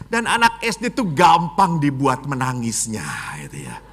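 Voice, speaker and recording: Middle-aged priest preaching, bright voice, super animated, jumps from loud to whispery, cracks jokes. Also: male voice, a little high, normal speed. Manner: dramatic, swings from loud exclamations to hushed whispers, jokey asides. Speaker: Catholic priest. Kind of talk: lively homily.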